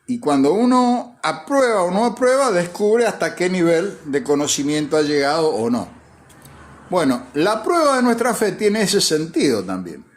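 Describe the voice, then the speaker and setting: Hoarse male pastor teaching informally. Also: sits high, sing-song, normal speed. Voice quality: slightly hoarse, throat-tired voice. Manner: didactic, repeats phrases, asks and answers own questions. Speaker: pastor hosting a devotional broadcast.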